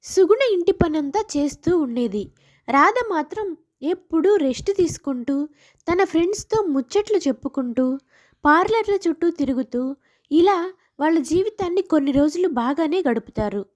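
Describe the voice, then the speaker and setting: A woman's voice: high-pitched, expressive, normal speed, darkish tone. A woman storyteller giving scripted narration of a moral family tale.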